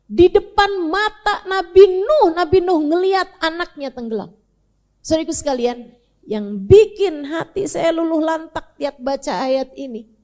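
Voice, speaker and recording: A woman preacher telling a story in a sermon, talking casually and directly to her audience, swinging between soft and emphatic. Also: very high-pitched. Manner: colloquial, addresses audience directly. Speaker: Islamic preacher.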